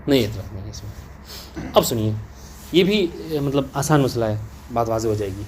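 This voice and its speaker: An animated man with a medium-pitched, slightly mellow voice explains a religious law text during a class. Students are present, and he often checks in with rhetorical questions to make sure they follow along.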